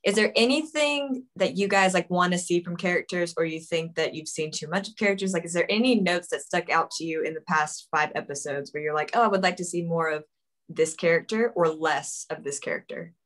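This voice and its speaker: A woman co-writer chatting on a table read call, eager and quick to laugh. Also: fairly low pitch, fairly bright tone. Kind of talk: casual discussion.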